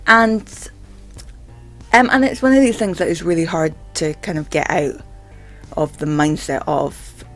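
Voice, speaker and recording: Unhurried, with long pauses, a fairly bright mid-range voice rambles to camera as faint music plays. This vlogger has a stammer and speaks hesitantly and casually, saying "like" frequently.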